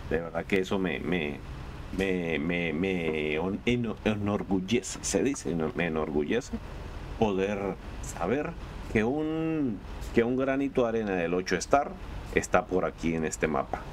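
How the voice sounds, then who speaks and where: A man's voice: sits low, animated, unhurried, slight background noise. A man, chatting casually while playing a truck game, often stumbling and repeating words. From Colombia. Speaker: gaming video host.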